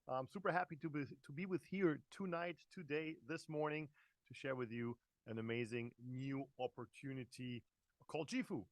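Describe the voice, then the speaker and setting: A man's voice: medium pitch, moderate pace. A man in his forties with a German accent delivers a live online business presentation, with a mid-range voice. He talks loosely and directly to listeners, full of fillers and restarts. The sound is dry, with no room echo. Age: 40s. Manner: chatty, hesitant, many fillers and restarts, addresses the audience directly. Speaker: network marketing presenter.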